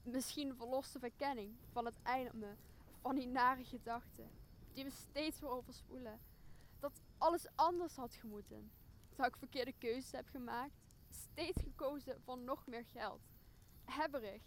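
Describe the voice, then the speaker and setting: A woman's voice: high voice, unhurried, a little hiss or hum. A young woman playing a troubled, regretful stranded boss in an audio drama, earnest and reflective. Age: young adult. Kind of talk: Shakespearean audio drama monologue.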